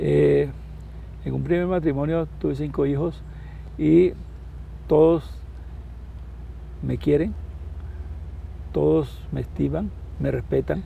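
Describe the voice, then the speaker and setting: Long, frequent pauses break up a man's speech, delivered at a very slow pace. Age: 80s+. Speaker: jazz musician and composer. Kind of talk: interview.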